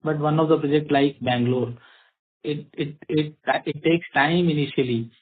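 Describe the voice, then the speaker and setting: An Indian-accented man, a company executive, explaining in a halting way as he answers questions on an earnings call. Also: fairly high pitch, fairly even intonation, slightly rough. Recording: tinny phone line with clicks and noise.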